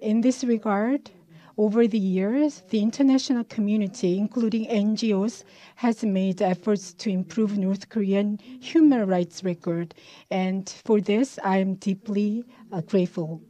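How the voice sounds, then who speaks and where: A woman working as a live interpreter of a formal speech, with a measured, halting delivery. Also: mid-range voice, mellow.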